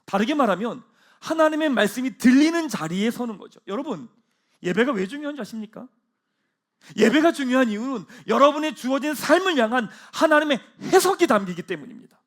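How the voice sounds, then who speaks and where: A male pastor delivering a Sunday sermon in a church, his voice sitting high and moving with wide, lively swings of pitch. He rises into loud proclamations, then drops to hushed, quiet asides. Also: fairly quick. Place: church sanctuary.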